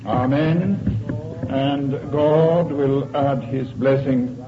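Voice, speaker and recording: A man with a Scottish Highland accent speaking as a preacher in a formal, deliberate, solemn manner. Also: crowd noise. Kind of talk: sermon and solemn scripture reading. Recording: muffled recording with congregation noise.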